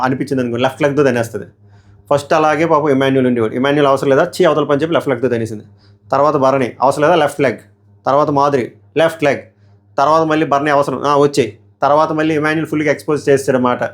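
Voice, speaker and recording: A hoarse young man giving a heated, argumentative review of a reality show episode and putting questions to his viewers. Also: on the high side.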